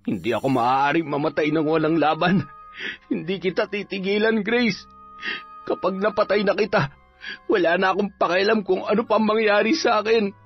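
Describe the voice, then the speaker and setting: A man playing a bitter, hot-tempered young man who talks in a quick, sneering way. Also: a little high, expressive, creaky, breathy edge, full character voice. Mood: bitter, angry. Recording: slightly dull, faint music.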